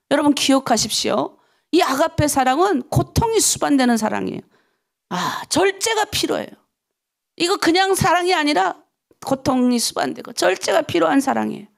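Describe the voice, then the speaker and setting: A woman's voice: sits high, vocal fry. A middle-aged woman pastor preaching a dawn prayer sermon, emphatic and personal, full of rhetorical questions and stories from her own life.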